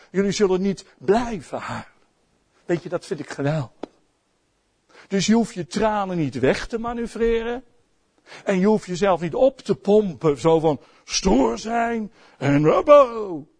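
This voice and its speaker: High-voiced, animated Dutch preacher man. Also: measured pace, long pauses. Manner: animated preaching, swings between soft asides and loud outbursts. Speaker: pastor. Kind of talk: sermon.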